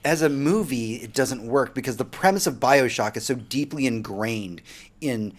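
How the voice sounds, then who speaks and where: A man's voice: mid-range voice, normal speed. A man hosting a casual gaming podcast, steering the discussion in long, rambling turns with frequent restarts. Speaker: podcast host. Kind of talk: casual panel chat.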